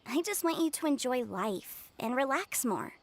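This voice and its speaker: A woman voicing a caring, brisk, protective young sister in an anime-style video game. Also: high-pitched, animated, a little hiss or hum. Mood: concerned.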